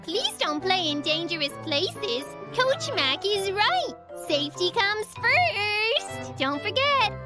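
An actor voicing an eager, friendly, simple-hearted bear in a children's cartoon, with a cheery drawn-out delivery. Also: very high-pitched, very animated, exaggerated voice. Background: loud jingly children's music.

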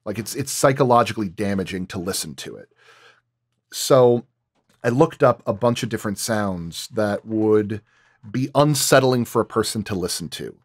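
A man's voice: lowish voice, lively intonation, normal speed, slightly rough, no echo, studio quality. A man speaking as a sound designer in a roundtable, thinking aloud and repeating and rephrasing as he explains his craft.

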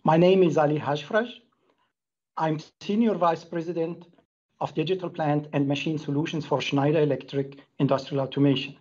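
Husky middle-aged man presenting earnestly. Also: on the high side, steady tone, normal speed, a little mellow, muffled recording. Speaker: company executive presenter. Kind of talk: prepared corporate presentation. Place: indoor room, plain wall.

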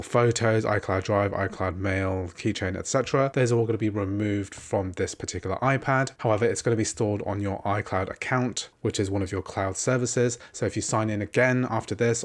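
Male tech tutorial host, low, steady, methodical delivery. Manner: calm, methodical, narrating each tap. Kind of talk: step-by-step device tutorial. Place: at a desk filming a tablet. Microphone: small handheld gimbal camera.

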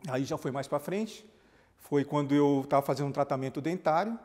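Man, pastor, fast talking, animated testimony, reverberant studio. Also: fairly high pitch. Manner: animated storytelling, acts out quoted dialogue. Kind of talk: testimony in a TV interview.

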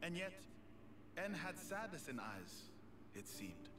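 A man's voice: fairly high pitch, very animated, takes it slowly, music in the background. A man playing a pensive young fighter in a video game cutscene, dry and reflective.

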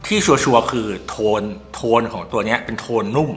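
A man talks through an earbud review in a loose, rambling manner at an ordinary middle pitch, hunting for the right words and letting casual swears slip. Clear music plays behind his voice. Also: moderate pace, a bit bright. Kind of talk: casual tech review talk.

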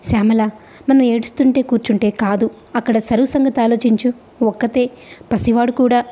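A woman's voice: on the high side, steady tone, moderate pace, mellow, close to an everyday voice. A woman voicing a grieving middle-aged man who urges his weeping sister to act, in a storybook reading, with an earnest manner. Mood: urging. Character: grieving middle-aged brother and father, steadying others.

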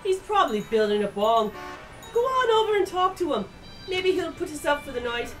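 An actress voicing a brash, bossy pregnant young woman in a comic radio drama, crude and sharp-tongued. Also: sits high, big pitch swings, a little fast, faint music behind, poor audio.

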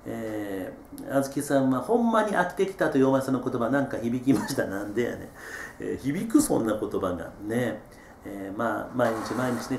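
A middle-aged man, hosting a casual solo radio-style chat. He reads out listener messages in a relaxed, chatty way, with many drawn-out filler sounds. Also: mid-range voice, gravelly, a little hiss or hum. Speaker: host reading listener messages. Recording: roomy echo.

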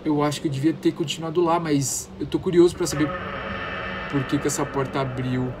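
A man's voice: on the high side, fairly even intonation, brisk, background noise. A man with a Brazilian accent commentating on a horror game, panicky and easily startled. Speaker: gamer.

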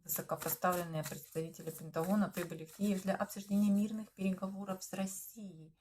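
A woman's voice: mid-range voice, flat delivery, fast talker, darkish tone, a little hiss or hum. A woman with a Ukrainian accent doing a casual tarot reading on the news, musing aloud to the cards and her viewers and trailing off mid-thought. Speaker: tarot reader. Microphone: clip-on or desk microphone.

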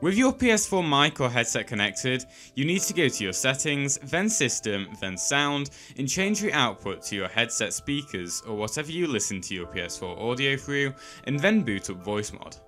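A man's voice: mid-range voice, very animated, moderate pace, few pauses, pushed and bright. A man reads scripted step-by-step instructions as a tutorial host, with emphatic sing-song phrasing that drops at sentence ends. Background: background music.

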